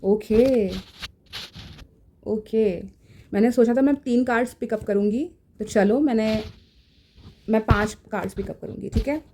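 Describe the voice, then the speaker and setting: A woman giving a casual tarot reading in a gentle, reassuring way, slipping into English phrases. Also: fairly high pitch, measured pace, long pauses, slight background noise. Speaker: tarot reader. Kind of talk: casual spiritual guidance. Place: home room.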